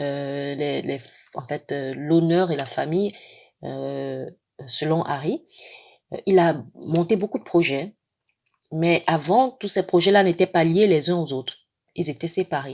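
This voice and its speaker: Speaking at a very slow pace, a woman leaves long, frequent pauses and shows ordinary pitch variation. The recording is very clean, with a silent background. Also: fairly low pitch for a woman. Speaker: podcast host. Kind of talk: solo podcast monologue. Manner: hesitant, many fillers.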